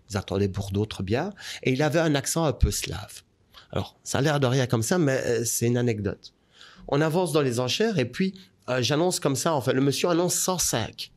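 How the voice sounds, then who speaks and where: Male guest, lively anecdote-teller, mid pitch. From Belgium. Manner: animated storyteller, rising pitch as the story heats up. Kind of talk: telling a personal story in an interview.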